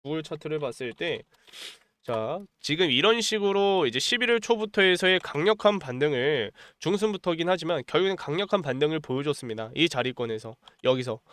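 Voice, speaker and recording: Pushy man with a cold pitching stocks. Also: expressive, fairly quick, fairly bright tone, no echo. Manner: pushy, repeats "자" as a filler, urgent promotional tone. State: has a cold, voice a bit strained. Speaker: stock market commentator. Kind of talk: stock analysis monologue with sales pitch.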